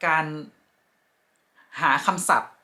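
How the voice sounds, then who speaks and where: A woman teaching French vocabulary from picture cards, speaking slowly and politely and repeating each word with care. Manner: polite, ending phrases with soft particles. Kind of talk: casual lesson with picture cards.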